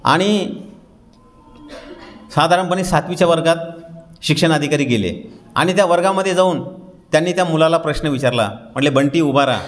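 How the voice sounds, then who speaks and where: A man's voice: a little high, fairly quick, pauses often. Storytelling man giving a humorous lecture. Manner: storytelling, mimics characters by dropping his voice. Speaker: guest speaker. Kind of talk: humorous public lecture with anecdotes. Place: library hall.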